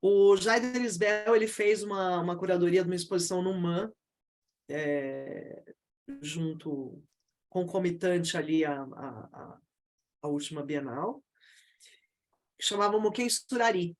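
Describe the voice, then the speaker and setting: A woman's voice: lowish voice, a little slow, long pauses, a little mellow. A woman teaching an informal online art history class, often hesitating and repeating words as she thinks.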